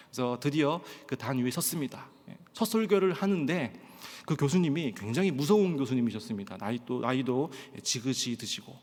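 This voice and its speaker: A male pastor from Pohang in South Korea, telling stories in a sermon at a Friday prayer meeting and often filling pauses with a short "yes". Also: medium pitch, a little mellow. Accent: standard Korean, trained out of Gyeongsang dialect. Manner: storytelling with frequent "예" fillers and acted-out quotes. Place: church sanctuary. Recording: long church-hall reverb.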